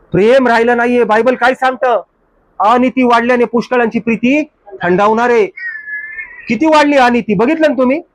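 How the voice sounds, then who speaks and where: A man delivering a church sermon in a high voice, pressing his listeners with rhetorical questions and parroting their excuses. The sound is dry and close. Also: dry recording. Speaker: pastor.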